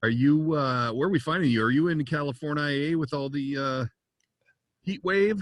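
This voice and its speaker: A man talks in a normal speaking voice, pitched fairly high for a man. His pitch varies in an ordinary way, and his pace is moderate. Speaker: podcast host. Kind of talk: casual podcast talk.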